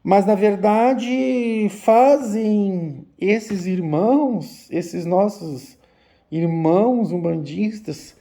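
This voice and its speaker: A man, an umbanda teacher giving a slow, repetitive religious talk to his viewers. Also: high-pitched, warm tone. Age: 50s. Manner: slow, repetitive, addressing listeners as "gente". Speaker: umbanda spiritual teacher and channel host.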